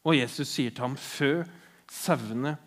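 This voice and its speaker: A man preaching a sermon, retelling the story earnestly and voicing the people in it as he goes. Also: medium pitch.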